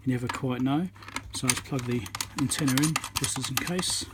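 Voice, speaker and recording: Filmed on a tripod-mounted phone, a man demonstrates an electronics repair in a casual, no-nonsense way, talking through his thoughts as he goes. He has a medium pitch and moderate pace, and the recording is very noisy.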